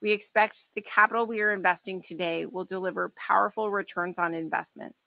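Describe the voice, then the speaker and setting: A woman in a formal, measured manner reading a scripted earnings call presentation as a finance executive. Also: mid-range voice, vocal fry, no echo. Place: conference call webcast. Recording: dull, band-limited webcast audio.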